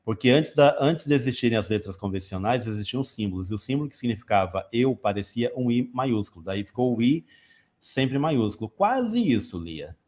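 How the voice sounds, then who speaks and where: A man's voice: medium pitch, expressive, moderate pace, a little mellow. Brazilian man teaching in a live Q&A. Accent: Brazilian Portuguese. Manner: explanatory, teacherly, gives everyday examples. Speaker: English teacher hosting a live Q&A. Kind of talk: casual live-stream Q&A.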